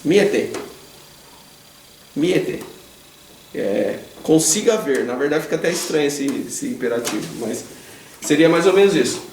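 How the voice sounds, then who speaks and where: A man's voice: a little high, big pitch swings, fairly quick, creaky, a little mellow. Brazilian man teaching, echoey far-off sound. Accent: Brazilian Portuguese. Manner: patient and chatty, asks the class questions and tags sentences with a questioning "né?"; corrects himself mid-sentence while writing on the board. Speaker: Japanese teacher. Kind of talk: explaining grammar in an informal online class. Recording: echoey room, voice away from the mic, faint background hum.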